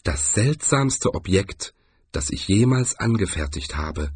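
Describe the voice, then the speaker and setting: A man's voice: on the low side, big pitch swings, takes it slowly, husky, no room sound, heavily acted. A man voicing a grumbling, unimpressed dwarf jeweller in a storybook, talking in a dry, matter-of-fact way. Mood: curious.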